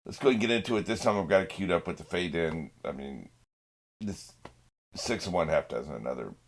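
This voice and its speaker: Low-voiced man giving casual reaction commentary. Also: lively intonation, a little fast, a little hiss or hum. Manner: informal, swearing, musing. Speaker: reaction show host.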